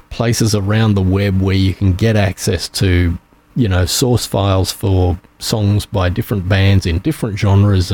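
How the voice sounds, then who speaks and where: A man with an Australian accent hosting a podcast on his own, talking in a relaxed, rambling way with frequent fillers and restarts. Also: lowish voice. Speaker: podcast host. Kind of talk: casual solo podcast talk.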